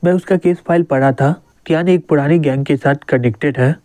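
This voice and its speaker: A man's voice: a little high, brisk, dark tone, no echo, natural voice. A fatherly police captain, read by a man. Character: older male police captain, fatherly and shrewd.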